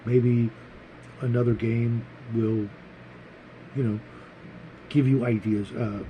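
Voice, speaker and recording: A man hosting a casual, unscripted vlog about tabletop gaming, talking to viewers in a rambling, halting, conversational way. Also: medium pitch, steady tone, dark tone, slight background noise, rough recording. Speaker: host of a tabletop gaming vlog, game master.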